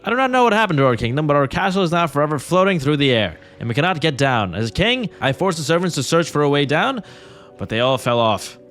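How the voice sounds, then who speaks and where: A pompous king with a pretentious British accent, as a man puts him on, declaiming every line loudly and grandly. His voice sits high and carries strongly over faint background music. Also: very animated, fast. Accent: British, put on. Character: pompous male king writing his journal.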